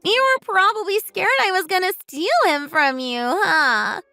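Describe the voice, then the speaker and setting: A woman's voice: very high-pitched, lively intonation, a little slow, bright, forceful tone, no room sound, faint music behind, pitched above the performer's own voice, exaggerated voice. A woman voicing a vain, scheming young woman who taunts in a smug, sing-song way. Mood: mocking.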